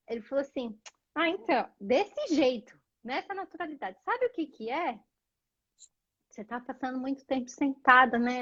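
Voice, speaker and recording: A woman with a Brazilian accent tells stories on a live stream, her husky, high voice full of energy. She acts out what people said as she goes. The sound is a little muffled. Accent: Brazilian Portuguese. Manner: animated storyteller, acts out dialogue. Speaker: guest. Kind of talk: casual storytelling on a live stream.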